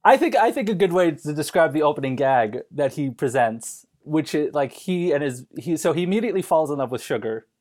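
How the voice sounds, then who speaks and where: A man speaking as a podcast guest in casual, comic film discussion, animated and halting, with false starts and frequent laughter as he talks. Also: a little high. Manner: animated, laughing often while talking.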